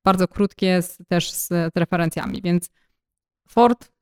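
Young woman on a podcast, talks it through slowly, lots of ums. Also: lowish voice, a little mellow, clear, resonant tone. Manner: thoughtful, explains at length with many fillers. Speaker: podcast co-host. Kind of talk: casual podcast chat.

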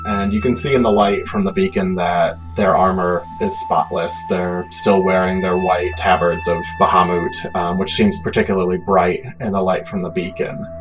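Male game master, very low pitch, improvised conversational narration, slightly dull recording with music clearly underneath. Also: little pitch movement. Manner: conversational, halting scene-setting.

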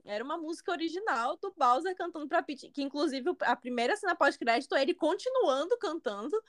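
A woman co-hosting a podcast, talking in a relaxed, conversational way. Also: high voice, quick pace, no echo, clean studio sound. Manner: relaxed, conversational, laughs easily. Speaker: podcast co-host. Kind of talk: casual podcast chat.

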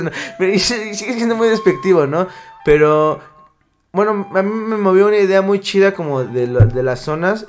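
A man with a Mexican accent hosting a casual chat, rambling in slang and interrupting himself. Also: fairly high pitch. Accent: Mexican Spanish.

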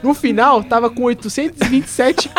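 A man's voice: extremely high pitch, brisk, faint music behind. A young man telling a self-mocking story in a casual podcast chat. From Diadema, São Paulo, Brazil. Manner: animated, self-mocking, laughs into his stories.

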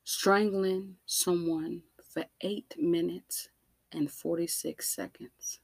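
A woman with an African American accent delivering an impassioned monologue, emphatic and deliberate, with rhetorical questions and repetition. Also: on the low side, steady tone, vocal fry, husky, no room sound, poor audio. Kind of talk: impassioned spoken monologue to listeners.

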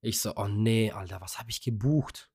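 A man's voice: lowish voice, normal speed, darkish tone, husky, no room sound, clean studio sound. A young man co-hosting a podcast, telling a long casual story with lots of fillers and offhand swearing. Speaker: podcast co-host. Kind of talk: casual chat.

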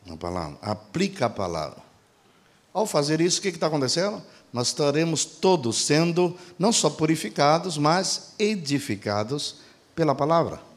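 A man's voice: sing-song, moderate pace. A man preaching a sermon, posing rhetorical questions to the congregation and answering them himself, and acting out quoted dialogue. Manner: acts out quoted dialogue with shifts in pitch and pace.

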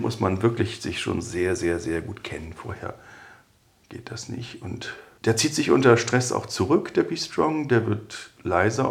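A man talking through personality types in a relaxed, conversational podcast style, adding anecdotes about former colleagues. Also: on the low side, creaky. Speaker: podcast expert on personality development. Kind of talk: conversational explanation.

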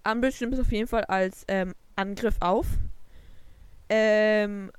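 A teenage girl co-hosting a casual podcast with a smooth, clear voice. The recording is dry and close, with no room sound at all. She retells events loosely, with plenty of filler words. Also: medium pitch, fairly even intonation, measured pace, no echo. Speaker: podcast co-host. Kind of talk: casual chat.

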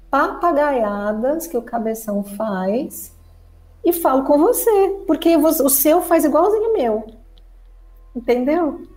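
High-voiced lively woman. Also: poor audio. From Brazil. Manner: lively and expressive, acts out the inner voice. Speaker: spiritual teacher and therapist. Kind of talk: spiritual talk to viewers.

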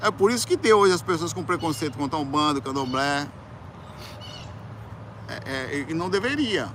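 A man with a Brazilian Portuguese accent and a fairly high pitch talks at normal speed, telling a personal story as a musician would among friends. He's animated and colloquial, acting out voices with loud bursts, and there's a slight hiss or hum.

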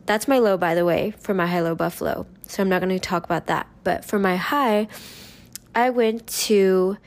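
A young woman with a medium-pitched voice hosts a casual solo podcast, talking at normal speed. Still getting over a cold, she chats in an upbeat, rambling way.

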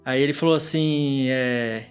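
A man's voice: mid-range voice, unhurried, smooth, faint music behind. A man, a guest on a podcast, telling a personal story in casual chat, emotional and quoting himself often. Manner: emotional storyteller who peppers speech with "cara" and acts out dialogue.

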